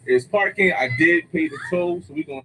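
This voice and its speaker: A man's voice: sits high, sing-song, brisk, sharp tone, a little hiss or hum, rough recording. A man vlogging on location outdoors, narrating upbeat into a handheld camera mic as he greets his viewers. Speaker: travel vlogger. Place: outdoors in public places. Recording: vlog clip with clear street ambience.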